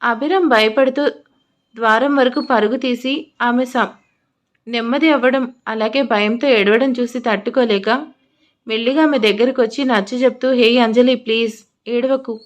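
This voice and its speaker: Female storyteller, fairly high voice, emotive narration for an audio romance. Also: normal speed. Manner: voices both lovers' lines with feeling.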